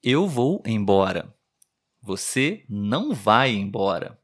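Male tutor, mid-pitched voice, clear patient podcast teacher, faint music behind. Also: fairly bright tone. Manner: slow, clear teaching delivery with examples; friendly, checks in with learners. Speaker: Portuguese tutor and podcast host. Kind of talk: podcast lesson for language learners.

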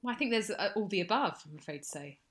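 A woman from England co-hosting a casual chat show, telling stories in a lively, animated way with sudden high bursts. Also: fast talker. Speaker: podcast co-host.

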